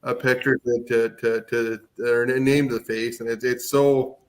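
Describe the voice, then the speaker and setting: Male co-host from Canada, mid-pitched, halting speech with lots of repeats. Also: flat delivery. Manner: stumbling, repeats words often. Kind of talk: casual chat.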